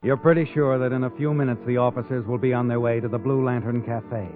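A man's voice: medium pitch, fairly even intonation, fast, narrow, tinny audio, close to an everyday voice. A man acts a sly narrator of an old crime radio play, speaking straight to the guilty with knowing, needling menace. The sound is thin and boxy like a 1940s broadcast, with faint music underneath. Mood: sly, taunting. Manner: taunting, knowing, insinuating. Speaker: narrator and host. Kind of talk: 1940s radio drama narration in second person.

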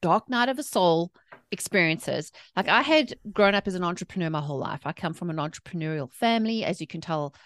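A woman's voice: lowish voice, lively intonation, fairly quick, no echo, studio quality. A woman in her forties with a South African accent, telling personal stories in a chatty, emphatic interview style. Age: 40s. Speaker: podcast guest, mindset coach and author. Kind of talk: conversational interview storytelling.

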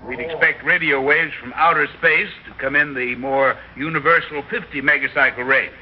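Man doing a confident professor, assured explainer, slightly high voice, vintage radio play, dull recording with faint hiss. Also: fairly even intonation, moderate pace, natural voice. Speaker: scientist.

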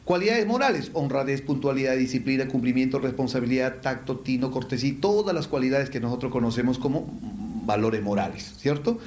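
A man's voice: mid-range voice, expressive, fairly quick, hardly any pauses, darkish tone, slight background noise. Man lecturing in an echoey hall. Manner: poses rhetorical questions, then answers them in lists. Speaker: public speaking instructor. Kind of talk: lecture to a live audience. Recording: echoey room.

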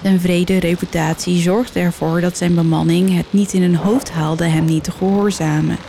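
Woman narrating a legend with measured drama. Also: fairly low pitch, little pitch movement, gravelly, dark tone, slight background noise. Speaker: storyteller. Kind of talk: scripted narration.

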